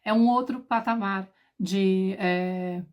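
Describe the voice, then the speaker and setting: A woman's voice: medium pitch, slow pace. A woman in her thirties or forties, a parenting mentor hosting a livestream, telling stories chattily with many asides. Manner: chatty storytelling, many asides and tag questions. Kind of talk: casual livestream talk.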